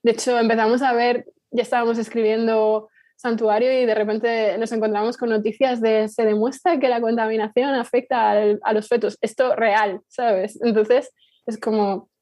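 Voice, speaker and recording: A woman's voice: a little high, flat delivery, normal speed, dark tone, no room sound. A woman talking casually as an interview guest, explaining things and rephrasing as she goes. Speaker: fiction podcast writer, interview guest.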